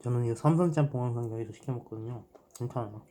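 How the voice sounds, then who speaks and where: A man's voice: mid-range voice, fast talker, dark tone, slight background noise. A man in his thirties from South Korea chatting casually to viewers as a mukbang vlogger, murmuring in an understated way between bites, recorded at a table in a small room. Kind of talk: casual eating-show chat to viewers.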